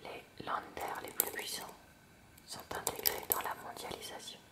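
Whispering woman reading a lesson. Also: distant mic. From France. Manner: soft unvoiced whisper, slow careful reading. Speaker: ASMR creator. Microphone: close mic near hairbrush on a table.

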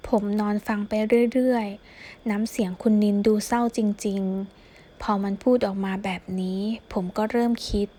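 A woman reading a first-person novel aloud in a slow, inward, reflective way. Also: mid-range voice, fairly even intonation, mellow. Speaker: audiobook reader.

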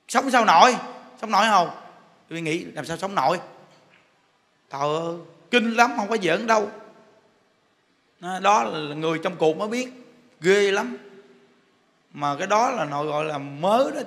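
A man's voice: high-pitched, animated, moderate pace, long pauses, a bit bright. A middle-aged man with a Southern Vietnamese accent giving a humorous sermon as a monk, joking and teasing like a chatty storyteller. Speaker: monk giving a dharma talk. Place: temple hall. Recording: long hall reverb.

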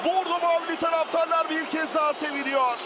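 An excited male football commentator, the kind who screams out goals. He calls the match live over a very loud, noisy stadium crowd. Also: extremely high pitch, brisk. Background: roaring football stadium crowd.

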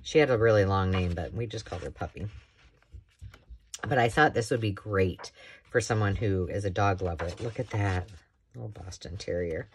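A woman's voice: rumbling low, normal speed, slight background noise. A woman hosting a casual show-and-tell of thrifted books, chatty and rambling with enthusiastic asides, filmed indoors at a craft table. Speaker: craft channel host.

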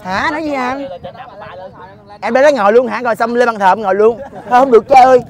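Man with a very high, campy voice. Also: fast talker. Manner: campy, playful, echoes others' jokes. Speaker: comedian in a group. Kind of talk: teasing casual banter. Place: outdoors at a park.

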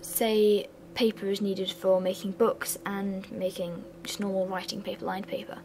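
A young woman with a slightly raspy voice from a sore throat, talking through a revision lesson in a flat, bored-sounding way with chatty asides. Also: medium pitch, normal speed, slight background noise. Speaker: revision channel host. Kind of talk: casual revision lesson voice-over.

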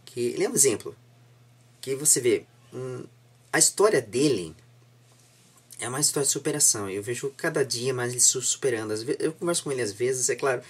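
A young man with a Brazilian accent and a slightly husky voice, chatting reflectively as an interviewer, repeating and rephrasing himself earnestly. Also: medium pitch, lively intonation, fairly quick. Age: young adult. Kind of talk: casual reflective interview chat. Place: small home room indoors, seated on a sofa.

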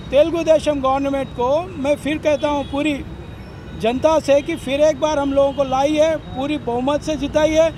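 Very high-pitched man making a political speech. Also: a little mellow. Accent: Hyderabadi. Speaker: party campaigner. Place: busy street, outdoors. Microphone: handheld press microphones held close. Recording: clear outdoor street traffic noise.

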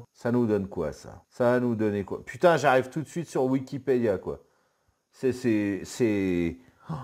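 Slow-talking joking guy. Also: mid-range voice, a little mellow. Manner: joking, swears casually, many fillers. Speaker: web marketing video host. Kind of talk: casual joking screen demo.

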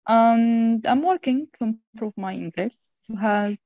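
Young jordanian woman, hesitant and polite, gravelly voice, dry sound. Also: a little high, a little slow, dark tone, no echo, poor audio. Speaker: student.

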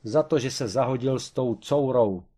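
A man voicing a proud, domineering former strongwoman wrestler who talks loudly and haughtily. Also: natural voice. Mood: haughty. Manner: booming, haughty, matter-of-fact about cruelty.

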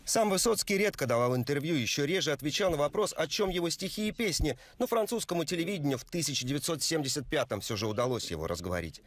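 A man narrating a scripted news report in a measured, solemn voice-over. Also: fairly high pitch, animated, a bit bright, no room sound. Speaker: news correspondent. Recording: voice-over with music bed.

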